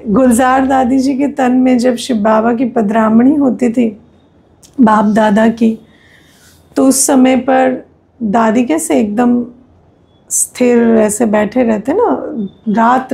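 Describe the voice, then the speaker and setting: A woman's voice: fairly high pitch, creaky, dark tone. A woman with an Indian accent giving an explanatory spiritual discourse, conversational and instructive, often posing questions to her listeners. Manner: didactic, conversational, often asks rhetorical questions and checks understanding. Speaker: spiritual teacher.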